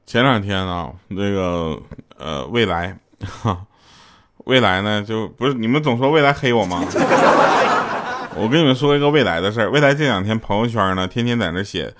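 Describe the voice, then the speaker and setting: A man's voice: lowish voice, expressive, a little fast, faint music behind. A man, casually telling jokes and funny stories to his audience, laughing often and acting out dialogue in raised voices. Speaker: livestream host telling jokes. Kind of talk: casual comic storytelling. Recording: loud background noise with clicks.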